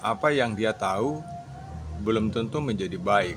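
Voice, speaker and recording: Music plays in the background. Over it, a man speaks at a fairly low pitch. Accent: eastern Indonesian. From eastern Indonesia (Papua). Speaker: YouTuber and practical skills teacher. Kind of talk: casual vlog monologue.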